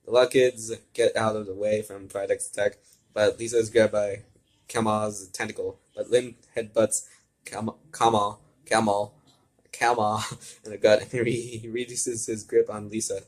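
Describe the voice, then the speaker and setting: A man's voice: fairly low pitch, flat delivery, moderate pace. A man reading fan fiction aloud as an amateur, stumbling over words, repeating and correcting himself and adding his own asides.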